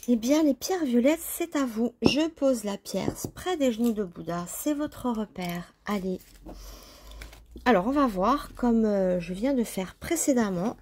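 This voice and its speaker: A woman's voice: mid-range voice, a little mellow, husky. A woman chatting casually as she lays out a tarot reading, talking to herself while she handles the cards. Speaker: tarot reader.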